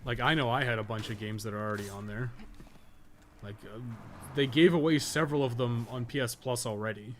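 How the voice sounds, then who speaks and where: With slight background noise in the audio, a man of medium pitch speaks fairly quickly as he plays a game on a livestream. He's a streamer and podcast co-host whose rambling, offhand remarks are blunt, slangy and sometimes profane.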